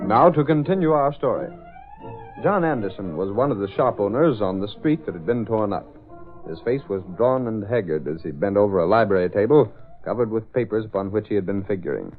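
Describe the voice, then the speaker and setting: Male announcer, formal steady narration over music, tinny vintage radio sound. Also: fairly low pitch, fairly quick. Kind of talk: scripted narration.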